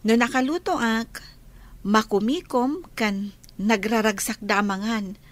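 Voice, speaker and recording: A woman's voice: on the high side, measured pace, natural voice. A young woman with an Ilocano accent, playing an anxious, earnest girl who cooks for her friends, in a radio drama.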